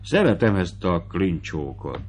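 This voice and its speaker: A man's voice: sits low, very animated, a little hiss or hum. A man voicing a genial, self-satisfied baron who talks in an expansive, declaiming way. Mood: jovial, boastful. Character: genial high-born male baron, talkative and self-satisfied.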